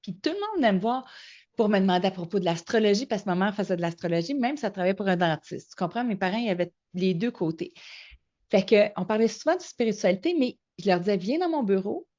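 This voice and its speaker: A woman's voice: medium pitch, fast talker. A middle-aged woman with a Québécois French accent, a guest telling her story in a casual interview and acting out the voices she quotes. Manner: animated storyteller, acts out quoted dialogue. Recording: slightly muffled lo-fi audio.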